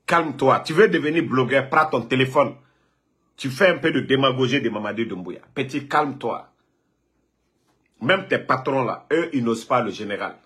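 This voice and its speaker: Bright-voiced man scolding on a live video. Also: medium pitch, normal speed. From Guinea. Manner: scolding, taunting, repeats himself. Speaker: political online commentator.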